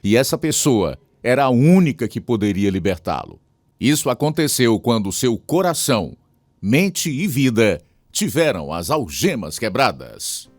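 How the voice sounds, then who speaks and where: A man with a Brazilian accent narrating a scripted radio program as its announcer, measured and solemn. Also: medium pitch, very animated.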